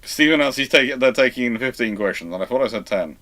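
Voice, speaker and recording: A man's voice: medium pitch, expressive, fast, pushed and bright. Chatty rambling male stream host. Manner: rambling, self-correcting, chatty. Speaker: host of live history Q&A. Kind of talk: casual chat, answering viewer questions.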